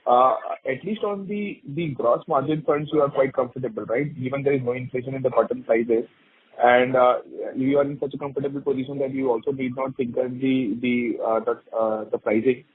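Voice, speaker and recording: A man speaking as a financial analyst putting questions on an earnings call by phone, in a halting, conversational way. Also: mid-range voice, steady tone, breathy edge. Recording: muffled narrow phone line.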